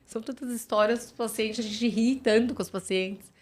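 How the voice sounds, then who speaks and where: A woman's voice: fairly high pitch, steady tone, normal speed. A woman, a physiotherapist chatting as a podcast guest, storytelling with lots of fillers and tag questions. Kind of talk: casual podcast conversation.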